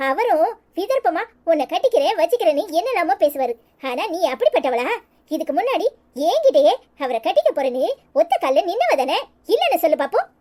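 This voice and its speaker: A woman's voice: very high voice, sing-song, a little fast, warm tone. A woman voicing a bossy, caring elder village sister in a cartoon, with a Tirunelveli Tamil accent and a blunt, motherly manner. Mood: stern. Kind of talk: cartoon voice acting.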